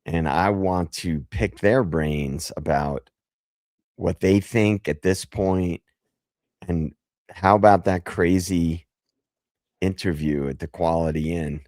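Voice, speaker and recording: A hoarse man with a very low voice hosts a late-night livestream. He talks slowly and loosely, joking and swearing. The sound is close and dry. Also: darkish tone, no room sound. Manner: loose and profane, jokey. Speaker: livestream host. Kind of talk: casual livestream chat.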